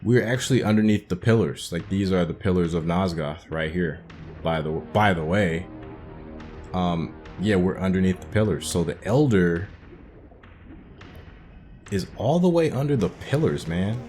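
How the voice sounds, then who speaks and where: A man's voice: sits low, a little slow, a little mellow, faint music behind. A man hosting a gaming playthrough, commenting casually and informally as he thinks aloud and explains things. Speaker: gaming video host.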